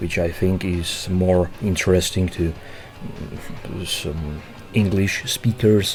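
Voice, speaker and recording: Over music in the background, a man speaks at a very slow pace in a very deep, low pitch, with fairly even intonation and long, frequent pauses. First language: Polish. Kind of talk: casual solo podcast monologue. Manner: hesitant, many fillers.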